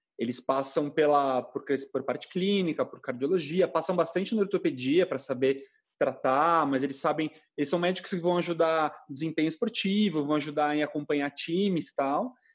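A man speaks at a moderate pace in a fairly high pitch with ordinary pitch variation, an ordinary speaking voice on a very clean recording with a silent background. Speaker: orthopedic surgeon, podcast host. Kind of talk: casual chat. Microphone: new podcaster microphone.

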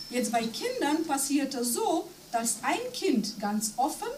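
There is audible room echo and noticeable background noise. Through it, a woman talks at a high pitch. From North Macedonia. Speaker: participant in intercultural discussion. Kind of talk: personal testimony in group discussion.

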